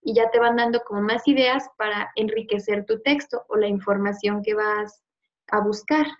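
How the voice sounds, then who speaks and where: A woman teacher giving a one-on-one review lesson, patiently quizzing and repeating words slowly. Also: medium pitch, fairly even intonation. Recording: slightly muffled lo-fi audio.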